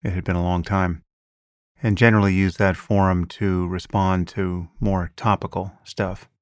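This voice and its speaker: A man hosting a podcast, reading a measured introduction and then interviewing his guest. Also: sits low, little pitch movement, dry recording, clean studio sound. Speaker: podcast host.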